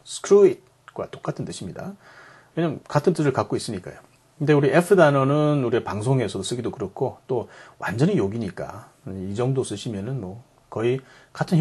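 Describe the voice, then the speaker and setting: A man with a rough, husky voice teaches everyday English expressions. He explains each phrase in Korean, then repeats it in English with a pitch that rises and falls a lot. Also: a little mellow.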